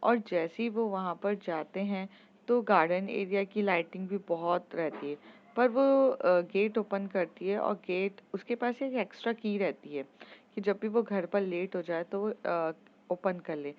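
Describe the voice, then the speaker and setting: A woman narrating a love story casually in a podcast, with an informal, halting delivery full of filler sounds. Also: medium pitch, muffled recording.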